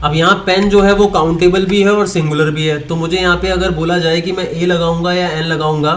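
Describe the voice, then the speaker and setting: Questioning teacher, slightly high voice. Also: male voice, fairly even intonation, a little fast, a little hiss or hum. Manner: asks the class questions and answers them himself; mixes Hindi with English terms, repeats points. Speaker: English teacher. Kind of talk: online grammar lesson.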